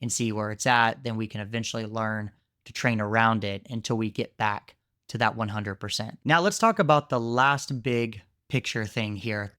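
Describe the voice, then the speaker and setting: A man in his thirties, a jiu-jitsu coach, gives frank training advice straight to camera, conversational and sprinkled with casual fillers. His mid-range voice is a bit bright, and the dry recording has studio quality.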